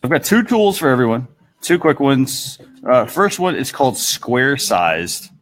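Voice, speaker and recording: A man's voice: mid-range voice, very animated, unhurried. A man hosting a talk show, casually explaining tools and tips to his audience and fellow panelists.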